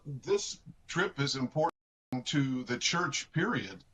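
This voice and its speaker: A man representing a church, speaking in a measured, explanatory way in a live news interview. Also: mid-range voice, big pitch swings, fairly bright tone, a little hiss or hum. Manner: measured and explanatory, with occasional fillers. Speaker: cathedral representative.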